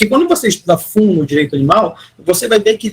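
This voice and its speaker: At a very fast pace, a man talks in a high voice. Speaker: law lecturer. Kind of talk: lecture.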